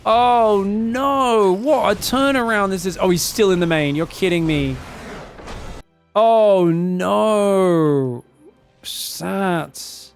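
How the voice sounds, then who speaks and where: A man casting a strategy game on his own, excitable on big plays and analytical in replays, his voice phlegmy after being sick. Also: high-pitched, drawn-out words, gravelly, faint music behind. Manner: excitable, shouts on big plays, then breaks down mistakes. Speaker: esports caster. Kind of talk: solo game commentary.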